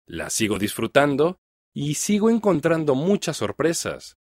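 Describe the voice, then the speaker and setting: A middle-aged man from Mexico with a Mexican Spanish accent, reading a first-person text aloud for language learners in a clear, even delivery. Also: fairly high pitch, a little slow, dry recording, studio quality. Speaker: reader of a listening text.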